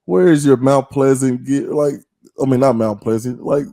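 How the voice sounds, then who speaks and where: A man hosting a casual interview, asking teasing, animated questions. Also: mid-range voice, normal speed, dry recording. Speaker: podcast host.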